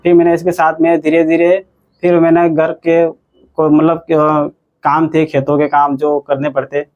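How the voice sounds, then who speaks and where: A man in his twenties telling his own story as a patient in an interview. He talks in a halting, rambling way and often restarts his sentences. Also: fairly high pitch, completely flat delivery, highs cut off. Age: 20s. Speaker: patient giving a testimonial.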